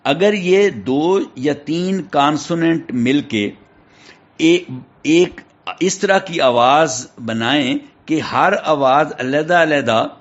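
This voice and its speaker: Male teacher, Pakistani accent, spells words slowly, muffled lo-fi recording. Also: mid-range voice. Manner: spells words letter by letter, checks in with "theek hai". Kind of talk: classroom lecture. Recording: dull lo-fi recording.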